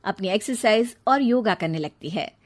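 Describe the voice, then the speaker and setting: Woman, storybook narrator, even, steady, medium pitch. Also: normal speed.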